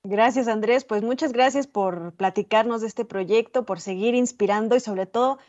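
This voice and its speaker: A woman hosting a radio interview, passing on listener questions and thanking her guest in a warm, conversational way. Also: fairly high pitch, moderate pace, dull audio. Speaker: radio host.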